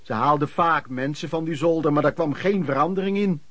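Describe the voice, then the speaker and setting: A man's voice: on the high side, a little fast, a bit bright, no echo. Dry-sounding colloquial man telling his life. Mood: indignant recollection. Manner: colloquial, storytelling, clipped phrases. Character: man recalling his hard, hopeful youth as street trader. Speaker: narrator. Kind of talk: first-person radio play narration.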